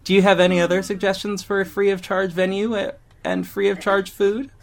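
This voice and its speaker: A man acting in an audio drama as a confident, sharp-tongued gay councilman with a pointed, theatrical manner. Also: high voice, level tone, fairly quick, creaky. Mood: smug, commanding. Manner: theatrical, pointed, biting sarcasm.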